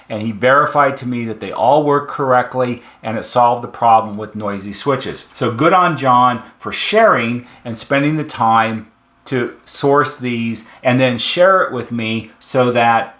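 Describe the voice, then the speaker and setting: A man's voice: mid-range voice, a bit bright. A man talking informally to viewers as a repair technician in an instructional video, emphatic and fond of repetition and rhetorical questions. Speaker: repair shop technician presenting a how-to video. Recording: roomy, echoing room sound.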